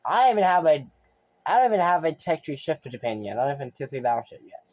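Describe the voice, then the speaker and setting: A man's voice: a little high, big pitch swings, fast talker, darkish tone. A young man casually commentating his own gameplay as a streamer, rambling and thinking aloud, often trailing off mid-sentence. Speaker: gaming streamer.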